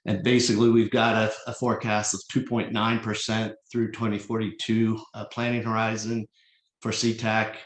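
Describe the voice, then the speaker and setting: A man giving a slide presentation at a virtual public meeting as a consultant, speaking in a measured, explanatory but halting and hesitant way. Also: on the low side, level tone. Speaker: consultant presenting an air cargo forecast. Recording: echoey, roomy voice pickup.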